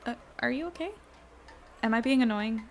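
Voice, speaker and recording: High-voiced, talkative young woman. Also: a little fast, gravelly, a little hiss or hum. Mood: concerned, curious. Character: friendly, talkative young woman, wry and easily impressed. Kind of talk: natural audio drama acting and narration.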